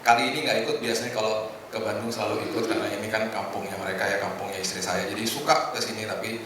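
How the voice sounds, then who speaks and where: A middle-aged man preaching informally to a congregation in a conversational, joking way, with hesitant pauses. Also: fairly low pitch, steady tone. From Indonesia. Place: large echoing indoor hotel hall. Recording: echoey hall, distant mic, noisy room.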